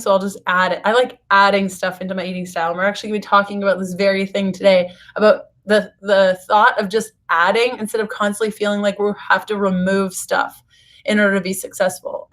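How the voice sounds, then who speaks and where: Casual female livestream host, raspy from a lost voice, narrow pitch movement, chatty and informal with viewers. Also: fairly bright tone. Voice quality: raspy, slightly hoarse voice. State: hoarse, recovering from voice loss. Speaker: nutrition author hosting a livestream. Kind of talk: casual live vlog chat to viewers. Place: hotel room.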